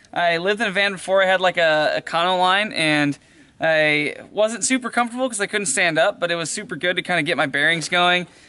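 A man speaks in a high voice. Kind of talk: interview answer. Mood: relaxed, friendly. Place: open country. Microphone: phone near.

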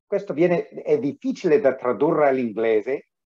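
An English accent against a quiet background. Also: man. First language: English (speaking Italian). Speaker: adult student. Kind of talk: casual chat. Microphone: video call.

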